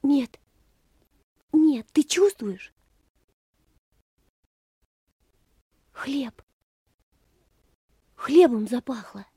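A woman's voice: sits high, lively intonation, extremely slow, warm tone, no room sound, studio quality, exaggerated voice. A woman playing an earnest, brave young girl, a commander's daughter, in a Soviet radio play. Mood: hushed wonder.

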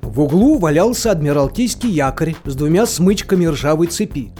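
A man's voice: a little high, normal speed, soft background music, lightly acted. An actor playing a young male student who narrates a humorous sea tale expressively in an audio play. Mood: awed, vivid. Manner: animated, expressive storytelling.

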